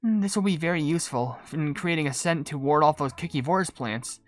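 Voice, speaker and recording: Composed female perfumer for a fantasy game, woman actor: low, soft-spoken, polite, faint music behind. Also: a little fast, no echo, lightly acted. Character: gentle, composed adult female cookie perfumer. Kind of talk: video game voice acting.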